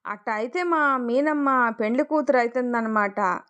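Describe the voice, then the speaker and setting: A woman's voice: fairly high pitch, fairly bright tone, clean tone, close to an everyday voice. A woman voicing a fond, teasing old village neighbor in a storybook tale. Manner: teasing, drawn-out.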